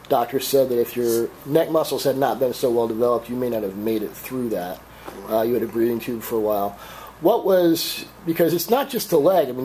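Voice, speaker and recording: A man with a raspy voice from a cold, interviewing an athlete as a sports reporter with direct questions. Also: medium pitch, warm tone, slight background noise, low-quality recording.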